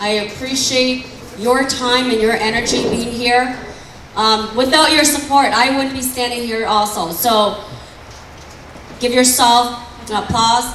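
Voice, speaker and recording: Long, frequent pauses break up speech at a fairly slow pace, with fairly even intonation. Audible room echo and noticeable background noise are present. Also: woman, high pitch for a woman. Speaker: congressional candidate. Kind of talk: campaign speech. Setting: meet and greet with audience.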